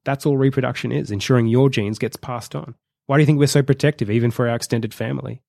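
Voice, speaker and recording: A man's voice: medium pitch, fairly even intonation, quick pace, creaky, mellow, dry recording, close to an everyday voice. A man voicing a level-headed, blunt woman who leads a dive crew and speaks in a matter-of-fact way. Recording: dry close sound.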